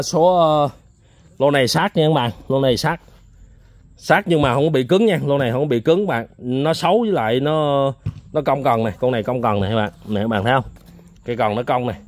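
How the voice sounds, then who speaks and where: Chatty southern Vietnamese man selling. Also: medium pitch. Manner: chatty, repeats points, many "uh" fillers. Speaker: seller of used machines. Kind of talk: casual sales walkthrough. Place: storeroom.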